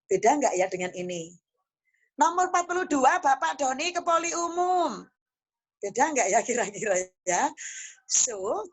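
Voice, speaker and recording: A woman giving an online class lecture to teachers, chatty and emphatic, speaking into a phone. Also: on the high side. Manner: chatty, emphatic, tags phrases with "loh ya". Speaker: guest lecturer.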